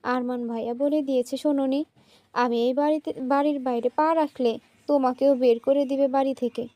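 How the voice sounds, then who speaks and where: A woman's voice: sits high, fairly even intonation, fairly quick, warm tone, no echo, close to an everyday voice. A woman voicing a mistreated young female student who speaks in a tearful, pleading way.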